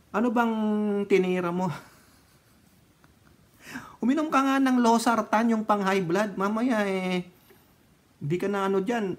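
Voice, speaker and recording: This is a political vlogger, a Filipino man, riffing on politics in a casual, joking way; he laughs frequently and moves between loud comments and hushed side remarks.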